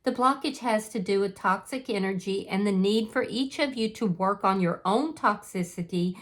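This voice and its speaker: Woman, tarot reader, earnest, reassuring, addresses the viewer directly, medium pitch. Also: moderate pace. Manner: earnest, reassuring, with many "you know" fillers and restarts. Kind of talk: casual spoken tarot reading.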